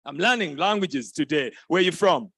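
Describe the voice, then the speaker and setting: A man's voice: on the high side, animated, moderate pace, pushed and bright, breathy edge, dry recording, clean studio sound. A man hosting a live youth event, playfully teaching the crowd greetings and repeating phrases back to them. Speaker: event host. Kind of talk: lively crowd interaction. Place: conference hall stage.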